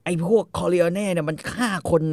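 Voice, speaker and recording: A man voicing a lazy, brutish young husband who is loud, crude and dismissive. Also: high-pitched, big pitch swings, normal speed, vocal fry, dry recording, clean studio sound, pitched above the performer's own voice, exaggerated voice. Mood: fed up.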